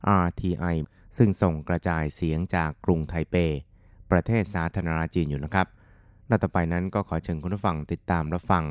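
A man's voice: low voice, fairly even intonation, fairly quick, dry recording, clean studio sound. A man announcing a radio program in a formal, polite manner. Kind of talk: station announcement. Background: loud music.

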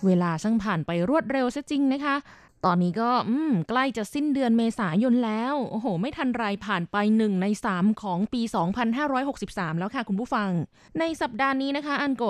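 A woman's voice: on the high side, no room sound, clean studio sound. A woman hosting a radio language segment, explaining words in a chatty, polite way. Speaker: radio host.

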